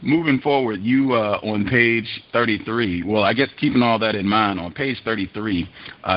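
A man's voice: lowish voice, lo-fi sound. A male host who questions a guest directly, cutting in and reading passages aloud. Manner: direct, interjecting, reads quotes aloud. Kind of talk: interview questions.

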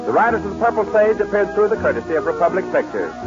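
Male old-time radio show announcer, highish and lively, lo-fi vintage sound. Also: very fast. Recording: dull lo-fi vintage radio, music behind.

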